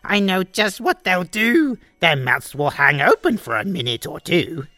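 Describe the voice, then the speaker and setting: Woman doing a scheming gloating male villain, sly, gleeful, wildly swooping pitch, dry close sound. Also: big pitch swings, measured pace, sharp tone, no room sound, soft background music, heavily acted.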